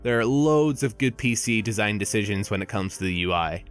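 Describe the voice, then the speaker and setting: A man's voice: on the low side, animated, brisk, soft background music. A man reviewing a video game in a casual, opinionated and conversational way. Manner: opinionated, conversational, with small restarts.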